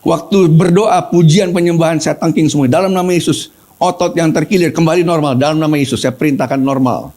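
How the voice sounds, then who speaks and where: A man's voice: fairly high pitch, quick pace, darkish tone. A middle-aged man preaching a sermon, telling personal stories and acting out quoted voices as he addresses the congregation. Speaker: pastor.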